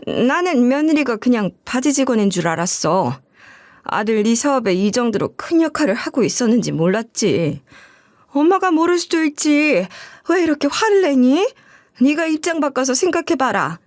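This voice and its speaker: A scheming, shameless older mother-in-law in a dramatized life story, making defensive, self-pitying excuses, as a woman narrator puts her on. Her voice sits high and sounds somewhat strained. The recording is dry and close. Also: very animated, moderate pace, darkish tone, no echo. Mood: defensive whining.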